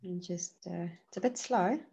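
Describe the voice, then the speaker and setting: A woman's voice: lowish voice, normal speed, gravelly, warm tone, slightly rough, lo-fi sound. A woman, presenting her podcast over a video call in a friendly, eager way. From South Africa. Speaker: podcast guest. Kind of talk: casual presentation.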